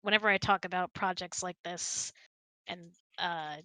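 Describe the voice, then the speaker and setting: Bright-voiced chatty woman in casual conversation. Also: lowish voice, fairly even intonation, normal speed, no echo, rough recording. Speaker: host. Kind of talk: casual chat, reading out and answering questions. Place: indoors, close and dry online voice hangout.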